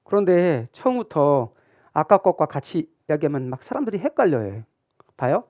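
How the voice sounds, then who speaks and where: Middle-aged guy teaching a real estate exam class, pretty high voice, dry close sound. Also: moderate pace, no echo. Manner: animated, asks students questions and answers them himself; acts out imagined student questions. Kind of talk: classroom lecture.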